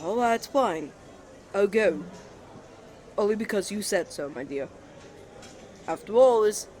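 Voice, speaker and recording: A man's voice: sits high, animated, slow, darkish tone, a little hiss or hum, pitched above the performer's own voice. A man playing a hot-tempered, easily flustered young twin brother in a romantic roleplay, stammering and indignant as he bickers. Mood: grudging, worried. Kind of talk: romantic ASMR roleplay acting.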